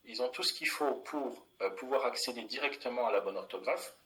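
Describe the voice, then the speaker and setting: A man's voice: mid-range voice, a little fast, a bit bright, rough recording. A middle-aged man, a primary school teacher, explaining a classroom method in a plain, methodical way with many fillers and restarts.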